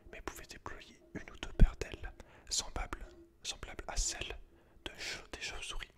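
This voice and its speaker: Whispering man, soft ASMR delivery. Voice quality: breathy, unvoiced whisper. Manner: informal, slangy, chatty asides. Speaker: host of an ASMR channel. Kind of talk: whispered ASMR, reading aloud with casual commentary. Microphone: close ASMR microphone.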